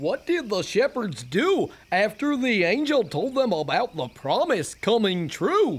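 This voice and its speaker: A cartoonish character voice, fairly high and very widely swinging in pitch, at a fairly slow pace with hardly any pauses. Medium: puppet. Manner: upbeat.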